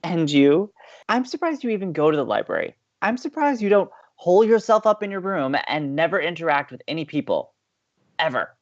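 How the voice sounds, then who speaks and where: An earnest, teasing college radio co-host in a scripted audio comedy, sociable and keen on romance. The pitch swings in a lively way with theatrical emphasis, and the sound is slightly dull. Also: a little fast, dry recording.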